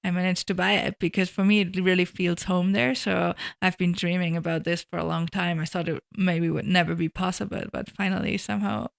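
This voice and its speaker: A woman's voice: on the low side, level tone, a little fast, gravelly, few pauses. A young woman from Switzerland and Germany, telling her story as an interview guest with many "like" fillers. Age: young adult. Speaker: guest, alpinist and guide. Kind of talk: casual interview chat. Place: hotel room.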